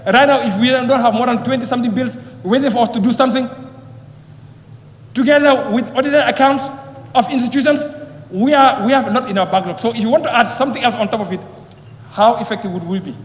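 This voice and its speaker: A man's voice: extremely high pitch, quick pace. A man giving an impassioned parliamentary speech, repeating phrases and firing rhetorical questions. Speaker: member of parliament. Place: parliament chamber. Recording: echoey hall with long reverb.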